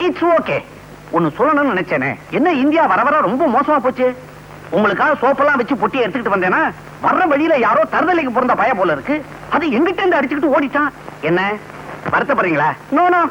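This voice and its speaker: An actor playing a showy, chatty man posing as a London-returned gentleman, dropping English phrases in an old film. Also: very high-pitched, very animated, fast, slight background noise, heavily acted. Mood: flirty boastful. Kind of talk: 1990s film acting. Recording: dull old film soundtrack with music.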